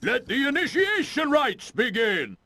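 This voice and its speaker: An actor playing a pompous, comically ceremonious tribal chief in a video game cutscene, slipping into deadpan asides. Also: male voice, very high-pitched, measured pace, gravelly, heavily acted. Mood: grandly ceremonial. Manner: grand announcements undercut by deadpan asides.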